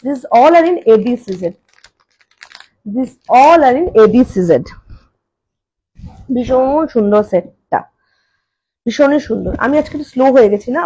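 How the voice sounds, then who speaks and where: Husky-voiced woman selling jewellery live. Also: fairly high pitch, mellow, poor audio. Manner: repeats prices slowly, then chats fast in bursts. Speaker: jewellery seller on a live stream. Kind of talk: live-stream sales talk. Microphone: phone camera.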